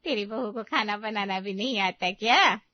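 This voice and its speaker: A woman's voice: medium pitch, moderate pace, no echo, muffled recording, close to an everyday voice. A woman voicing a mocking older female neighbor in a cartoon story. She teases and cackles at her rival. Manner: teasing, cackling laughter. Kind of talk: Hindi cartoon story voice acting.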